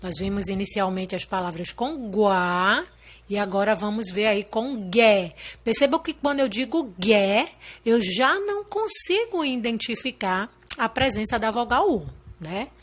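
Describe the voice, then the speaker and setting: Woman teacher, unhurried, patient, checks in often with young pupils. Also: mid-range voice, expressive. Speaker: primary school teacher. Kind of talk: slow recorded lesson.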